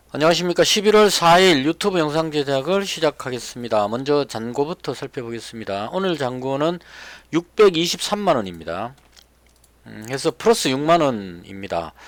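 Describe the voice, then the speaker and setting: A man talks at a moderate pace in a fairly high voice, with very wide pitch swings and big shifts in loudness. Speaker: stock market YouTuber. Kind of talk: unscripted market commentary. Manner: hesitant fillers.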